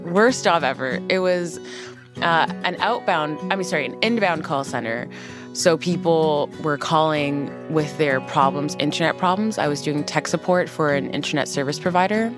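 A woman's voice: deep voice, moderate pace, over music. A Canadian woman in her thirties, a podcast guest telling her story casually, laughing at herself. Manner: self-deprecating, laughing.

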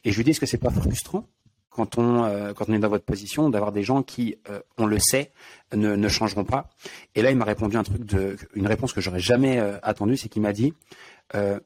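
A man's voice: fairly low pitch, a little fast, a little mellow. A man from France, hosting an interview podcast, recounts a personal story in a reflective, hesitant way with many fillers. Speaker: podcast host. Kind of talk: conversational interview talk.

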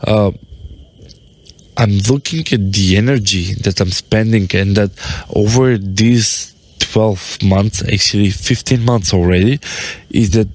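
A man's voice: on the low side, slow pace, darkish tone. A man, talking casually on his rooftop about family and business, rambling with many restarts. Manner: rambling, with restarts and loose English. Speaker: podcast host and business owner. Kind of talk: casual talk to camera. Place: on his apartment rooftop, outdoors.

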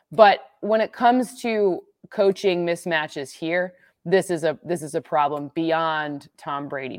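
A woman from the Midwest talking through football analytics in casual chat, quick and full of restarts. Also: sits low, no echo, studio quality. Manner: quick, restarts sentences, laughs at own jokes.

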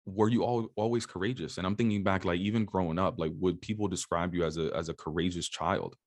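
Upbeat low-voiced podcast host man. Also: fast talker. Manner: upbeat, energetic, slangy, with Spanish greetings. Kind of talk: casual podcast intro and interview.

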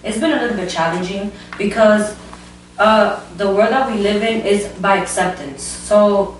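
A woman's voice: mid-range voice, normal speed. A twenty-one-year-old Dominican woman, a plus-size model, answering earnestly and casually with frequent fillers. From Dominican Republic. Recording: echoey room from a distance, faint hum.

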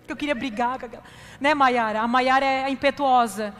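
A woman's voice: sits high, fairly even intonation, fairly quick. A woman pastor, giving a sermon and telling a self-mocking personal story while addressing the congregation directly. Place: church hall, preaching from a stage. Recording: long hall reverb with faint music.

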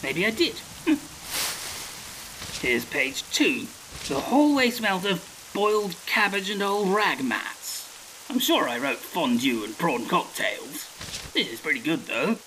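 An actor playing an arrogant, excitable novelist in a comedy audio drama, self-satisfied and exclamatory. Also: male voice, sits high, slow pace, noisy background, full character voice. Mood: bemused. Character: arrogant, excitable younger George Orwell, comic novelist.

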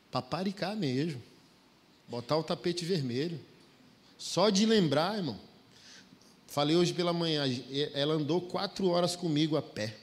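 A middle-aged man from Brazil preaching a sermon in a folksy, emphatic way, acting out bits of dialogue. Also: fairly high pitch. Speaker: pastor. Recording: long hall reverb.

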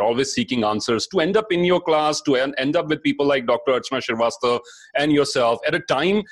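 A man with a North Indian accent hosting a conversational interview, speaking effusively and appreciatively and switching between languages. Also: mid-range voice.

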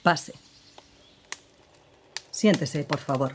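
Brief: actress voicing a cool, evasive opera diva, very low voice, hissy amateur recording. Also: female voice, drawn-out words. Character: guarded widow of a fallen man, female opera singer. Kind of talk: radio drama acting.

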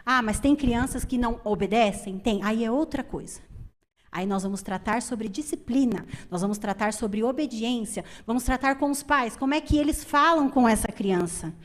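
A woman giving a lively, emphatic church talk to women, often asking her listeners questions. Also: on the high side, moderate pace. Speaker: women's ministry speaker.

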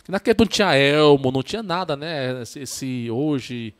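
A man with a northeastern Brazilian accent from Ceará, a Catholic priest telling his story in a casual podcast interview, halting and repetitive, often tagging sentences with a question. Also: mid-range voice, expressive.

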